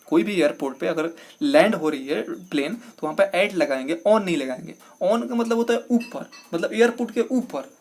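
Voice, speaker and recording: A young man, an exam coaching teacher, explaining test questions one by one and asking and answering his own questions as he goes. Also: on the high side. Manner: walks through each answer step by step, asks and answers his own questions.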